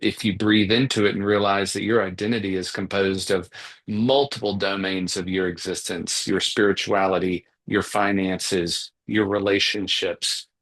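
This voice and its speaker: A man's voice: deep voice, fairly even intonation, moderate pace, fairly bright tone. A man hosting a podcast interview, speaking reflectively and affirming his guest, often repeating words as he thinks aloud. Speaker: podcast host.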